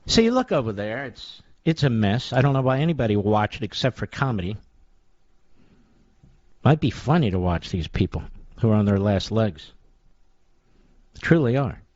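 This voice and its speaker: A combative male radio talk host in a sarcastic opinion monologue, his pitch swinging widely for emphasis. The sound is dull and lo-fi with a bone-dry, close feel. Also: very animated, moderate pace, pauses often, darkish tone, no echo.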